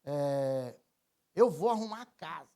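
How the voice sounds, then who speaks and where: A man in his thirties, a Brazilian pastor preaching a sermon, shifting from quiet personal storytelling to loud emphatic appeals. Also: fairly high pitch, animated, measured pace. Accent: Brazilian Portuguese.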